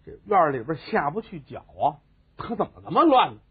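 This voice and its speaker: A man telling a comic story, animated and voicing many characters. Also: fairly high pitch, moderate pace, breathy edge. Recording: tinny phone-like sound.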